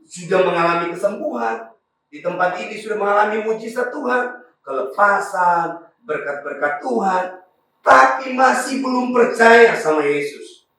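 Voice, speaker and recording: A raspy-voiced male pastor, preaching fervently to a congregation. His voice sits slightly high. The sound is very echoey, picked up from across a church hall. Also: expressive, normal speed, pushed and bright, far from the mic. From Maluku. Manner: fervent preaching with frequent congregation address and hallelujahs. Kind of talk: sermon.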